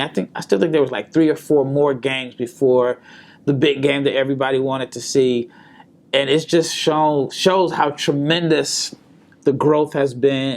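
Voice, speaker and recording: A man hosting a solo basketball podcast in an easygoing, chatty way. His voice is slightly hoarse from a sore throat, and he often repeats words and restarts his sentences. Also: medium pitch. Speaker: podcast host and basketball scout. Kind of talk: casual solo podcast commentary. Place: hotel room or indoor spot in Las Vegas.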